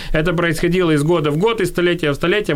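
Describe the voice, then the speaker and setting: A man speaks with a high pitch and ordinary pitch variation. Noticeable background noise runs under his voice. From Odesa, Moldavanka, Ukraine. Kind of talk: casual conversation with teaching.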